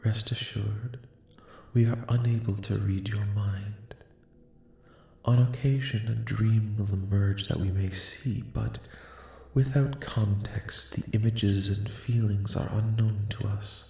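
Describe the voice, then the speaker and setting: A man voicing a calm, courteous alien collective in a soft-spoken ASMR roleplay, speaking in slow, formal, reassuring phrases. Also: on the low side, vocal fry. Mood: calm, explanatory. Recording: echoing, reverberant voice.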